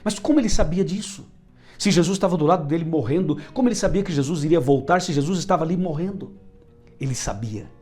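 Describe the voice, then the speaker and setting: A man's voice: a little high, expressive, fast talker, dark tone, faint music behind. A man with a Brazilian Portuguese accent preaching a sermon, emphatic and repeating phrases for effect.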